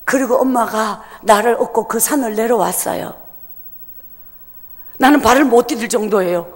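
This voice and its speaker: Woman, high voice, emotional church testimony in a reverberant sanctuary. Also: normal speed. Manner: emotional, vivid storytelling in dialect. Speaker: testimony speaker at a church service. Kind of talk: personal testimony. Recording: long church-hall reverb.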